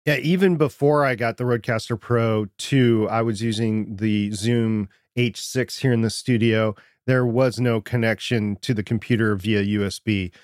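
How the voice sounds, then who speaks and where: A man with a quiet voice co-hosting a podcast from his home studio, talking through gear in a measured way. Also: fairly low pitch, fairly even intonation, no room sound. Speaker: podcast co-host. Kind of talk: casual tech chat.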